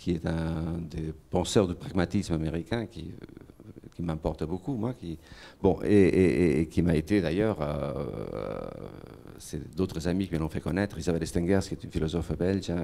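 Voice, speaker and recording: A Catalan accent with vocal fry, at a fairly slow pace, with ordinary pitch variation and big swings in loudness. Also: man, very deep, low pitch for a man. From Catalonia. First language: Catalan (speaking French). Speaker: psychologist and writer. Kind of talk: public talk. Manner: halting, many repetitions.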